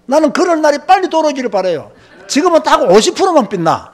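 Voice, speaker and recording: Animated male preacher, high voice. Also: fast talker. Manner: emphatic, animated storytelling with many filler words. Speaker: pastor. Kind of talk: sermon.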